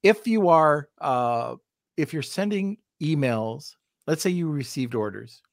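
A man's voice: a little high, expressive, a little slow, gravelly, no echo, studio quality. A man with a Canadian accent hosting a podcast, asking questions in an easygoing, casual way. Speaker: podcast host.

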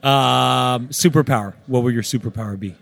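A man's voice: mid-range voice, moderate pace, vocal fry. A man co-hosting an interview podcast with casual, informal and encouraging banter. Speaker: podcast co-host.

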